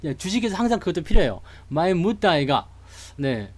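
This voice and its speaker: Speaking fast and with lots of energy, this man from Seoul streams a jokey, conversational lesson on stock charts to online viewers. His pitch is fairly high, and he says hello to people in the live chat.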